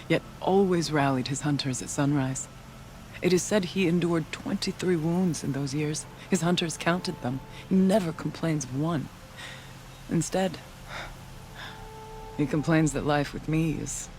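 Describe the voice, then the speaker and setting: An actor playing a solemn, devout tribal shaman in a video game, speaking in measured, formal, reverent phrases. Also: fairly high pitch, a little hiss or hum, poor audio. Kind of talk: dramatic video game cutscene acting.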